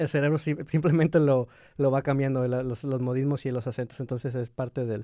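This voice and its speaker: A man speaks at a fairly quick pace with a Mexican accent. His dark, mellow tone sits at a medium pitch, delivered in a monotone, flat intonation. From Mexico. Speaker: podcast host. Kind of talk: casual chat.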